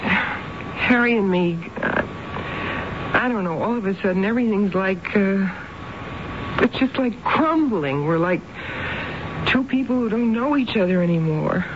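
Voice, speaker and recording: An actress playing an anxious, troubled housewife with a hesitant, earnest delivery in a 1970s radio drama. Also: female voice, mid-range voice, expressive, unhurried, pauses often, close to an everyday voice. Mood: distressed. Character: anxious, troubled housewife confiding in her friend. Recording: dull, noisy 1970s radio broadcast.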